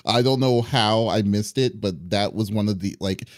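A man's voice: lowish voice, moderate pace, dry recording. Rambling man in a dry close sound. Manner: rambling, laughs often, says "like" a lot. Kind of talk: casual chat.

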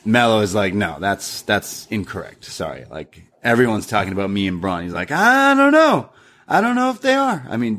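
A young man with a slightly low voice recaps a wrestling show in a relaxed, chatty way. He acts out the wrestlers' lines as he tells them, with plenty of laughs and fillers. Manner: lively recap with acted-out quotes. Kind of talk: casual recap chat.

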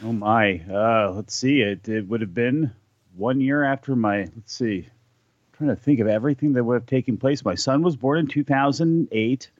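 A man's voice: mid-range voice, moderate pace, no echo, dull audio. A man chatting as a podcast guest from home, telling long rambling stories that he often breaks off and restarts. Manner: rambling, self-interrupting storyteller. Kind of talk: casual podcast conversation. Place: home during a storm.

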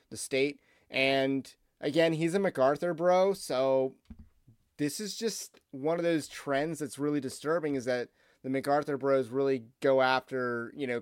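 A man giving informal opinion commentary as a channel host, speaking in a halting, hesitant way. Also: mid-range voice, smooth, no echo, studio quality.

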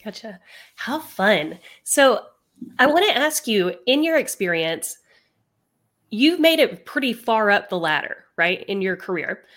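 A woman hosts a casual podcast interview. She sounds upbeat and enthusiastic, keeping the conversation moving with friendly questions. Her voice sits at a middling pitch. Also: very animated, a little slow, a bit bright. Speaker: podcast host.

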